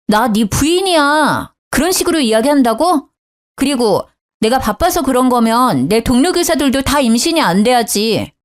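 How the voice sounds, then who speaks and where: A woman in her thirties tells a dramatic personal story with indignant emphasis. Her fairly high voice moves in lively swings as she argues her side. The narration is emphatic and animated throughout.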